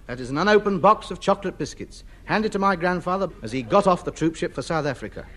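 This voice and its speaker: A pompous hoarder who blusters and waxes grandly, his voice fairly high and swinging up and down with lively swoops. It is an old radio comedy broadcast with a clearly audible noise hiss under the voice. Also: quick pace. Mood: blustering. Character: pompous, self-important middle-aged man hoarding junk. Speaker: comedy lead. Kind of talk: 1950s radio sitcom acting.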